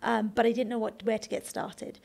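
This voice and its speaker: A young adult woman from Kenya, a startup founder, answering interview questions in a relaxed, conversational way with occasional fillers. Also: a little high, fairly quick, gravelly. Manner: conversational, explains at length with fillers and restarts.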